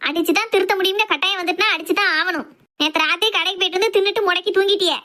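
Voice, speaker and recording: A woman playing a sharp-tongued middle-aged housewife and strict mother, talking sarcastically. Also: extremely high pitch, very fast. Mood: scolding. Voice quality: scolding, sarcastic. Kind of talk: comic family skit.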